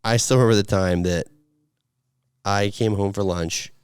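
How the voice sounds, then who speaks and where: A man co-hosting a casual podcast, telling stories and teasing his friends with deadpan put-downs. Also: on the low side, normal speed, heavy background noise. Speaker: podcast co-host. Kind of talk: casual chat.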